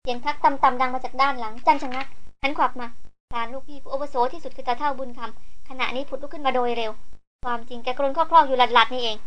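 Fast-reading woman audiobook narrator. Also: on the high side, fairly bright tone, low-quality recording.

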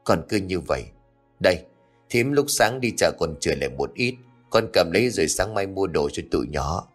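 A man voicing a kind, motherly older village woman who gently comforts and coaxes. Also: low-pitched, animated, normal speed, soft background music. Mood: caring. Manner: gentle, soothing, coaxing.

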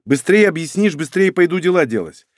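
A man reading an audiobook voices a blunt, wry male clan elder with a brisk, mocking delivery. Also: a little high, big pitch swings, dry recording, clean studio sound, voice pushed up.

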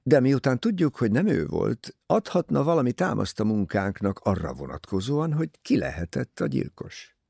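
A man reading an audiobook, voicing a calm, shrewd older detective who speaks in a measured, probing way. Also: mid-range voice, vocal fry, breathy edge, no room sound, clean studio sound, pitched above the performer's own voice, heavily acted.

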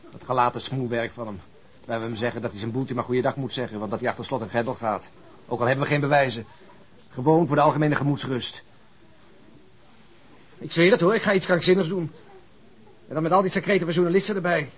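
A man's voice: medium pitch, natural voice. An actor playing a volatile police detective at the end of his nerves in a radio drama, speaking with agitated emphasis. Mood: fed up. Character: frayed, volatile male police detective near breaking point. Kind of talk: naturalistic radio drama acting.

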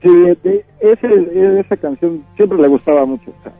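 A man calling in by phone, telling his story in an earnest, halting way. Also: high voice, huge pitch swings, creaky, no room sound, soft background music. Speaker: caller. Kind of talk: telling a personal story on a call-in show. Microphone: phone line. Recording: tinny dry phone line.

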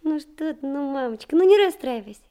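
High, mellow young girl. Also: expressive, brisk, lo-fi sound. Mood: coaxing, affectionate. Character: young girl, loving, soothing daughter. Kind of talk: Soviet radio play acting.

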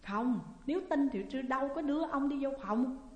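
A woman voicing a frightened, sharp-tongued middle-aged lady of the house in a story. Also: sits high, fairly quick, dull audio, pitched above the performer's own voice, close to an everyday voice. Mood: tense, curt. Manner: tense, raised and curt. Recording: long echoey reverb.

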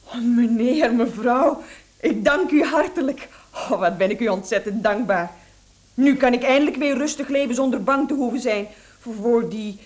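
A woman's voice: fairly high pitch, normal speed, a little mellow, close to an everyday voice. A frightened, servile young housemaid acted by a woman. She speaks earnestly and deferentially, pleading with her employers in a radio drama. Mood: relieved, grateful. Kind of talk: radio play acting.

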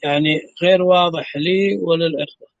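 A man teaching an online class as the sheikh, speaking calmly and patiently. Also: fairly high pitch, fairly quick, dry recording, lo-fi sound. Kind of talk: online lesson, checking the audio.

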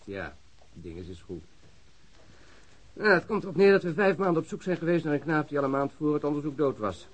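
An actor playing a dry, wry police detective in a radio crime drama, speaking colloquially. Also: male voice, a little high, animated, a little fast, pauses often, husky, rough recording. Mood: wry, summing up. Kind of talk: Dutch radio drama dialogue.

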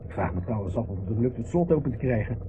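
An actor playing an irritable, gloomy company director and husband in a Dutch radio play, curt and sardonic. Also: male voice, medium pitch, lively intonation, fast, mellow, close to an everyday voice. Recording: muffled, noisy old radio play recording.

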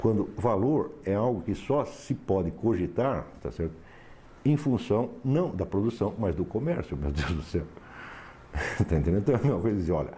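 A man's voice: medium pitch, mellow. A man giving a philosophy lecture to a class, emphatic and sardonic, often asking for assent.

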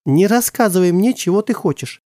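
A man's voice: sing-song, moderate pace, no echo, studio quality. A man voicing a young mother who coos tenderly over her son and flares up at her husband, in a storybook reading. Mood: angry. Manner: soft cooing turning to shrill outbursts. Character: young mother, tender, protective, explosive when angry.

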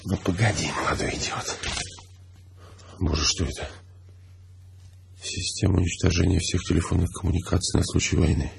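An actor playing a bitter, lonely old man in a radio drama, muttering and agitated, with a gravelly, breathy voice. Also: deep voice, level tone, moderate pace, long pauses, heavily acted. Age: older. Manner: muttering, agitated, swings from whispers to shouts. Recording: music under the voice.

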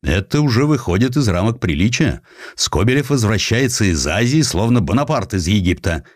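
A man's voice: fairly low pitch, big pitch swings, normal speed, no echo, clean studio sound. Man reading as stern, indignant tsar. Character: indignant, imperious Russian tsar, stern and resentful.

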